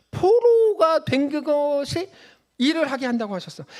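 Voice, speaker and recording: A man talks with very wide pitch swings. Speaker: pastor. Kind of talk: sermon. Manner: fast.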